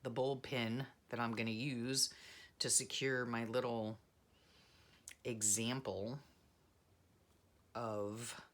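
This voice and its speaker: A woman vlogger chatting casually and rambling softly while she works on a journal craft. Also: a bass voice, little pitch movement, takes it slowly, pauses often. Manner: soft-spoken, rambling, self-deprecating, many fillers. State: frog in her throat.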